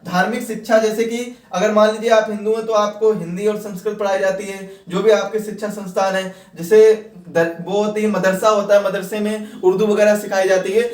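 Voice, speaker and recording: A man with a notably high voice lectures like an exam coach, restating each point in new words and dropping in English terms. The recording is echoey and he sounds set back from the microphone. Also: level tone, fairly quick, few pauses, a little mellow. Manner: repetitive, rephrasing points step by step; mixes English terms into speech. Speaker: exam-prep teacher. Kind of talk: explanatory lecture for exam students. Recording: roomy echo, distant from mic.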